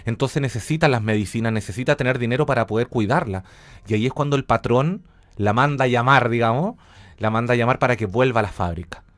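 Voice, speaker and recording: Male interview guest, Chilean accent, medium pitch, conversational, explanatory, wanders off on tangents. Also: fast, fairly bright tone, dry recording. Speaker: interview guest, radio drama director.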